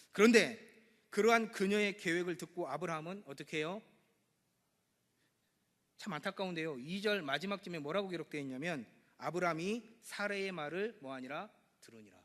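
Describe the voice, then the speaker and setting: A male pastor preaching a sermon, acting out the dialogue of his scripture passage with sudden loud bursts. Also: on the high side. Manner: lively preaching, acts out God and Abraham with sudden loud bursts. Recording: church hall with long reverb.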